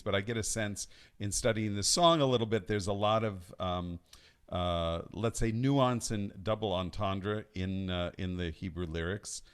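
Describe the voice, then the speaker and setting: A man leading a song, casually introducing and translating it before he sings, in a halting way with many restarts. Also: on the low side, clean tone. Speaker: song leader. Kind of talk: casual spoken introduction before singing at a live-streamed study night. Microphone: home setup singing over recorded accompaniment.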